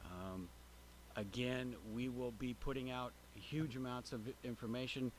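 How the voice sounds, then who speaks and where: A man with a mid-range voice gives an informal update at a public meeting. He is plainspoken and hesitant, often pausing on filler sounds, with some room noise behind him. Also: mid-range voice, steady tone. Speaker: transportation agency representative giving a public update. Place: city council chamber, public meeting. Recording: noticeable background room noise.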